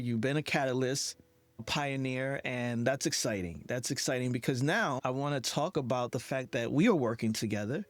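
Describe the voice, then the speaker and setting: A man's voice: mid-range voice, no room sound. A man hosting a conversational podcast interview in an earnest, affirming manner.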